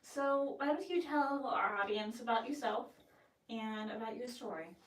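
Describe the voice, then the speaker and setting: A woman's voice: fairly high pitch, measured pace. Woman host, echoey and far off. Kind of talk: interview hosting. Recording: roomy, distant from the mic.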